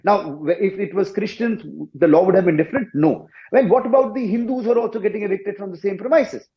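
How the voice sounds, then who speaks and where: A man speaking as a panelist in a televised debate, insistent and forceful, with a loud voice. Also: high voice, quick pace, dull audio.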